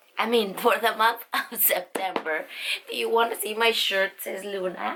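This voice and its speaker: This woman's voice sits at a fairly high pitch with fairly even intonation, and noticeable background noise is present. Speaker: unboxing vlogger. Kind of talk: product unboxing review. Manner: casual, chatty.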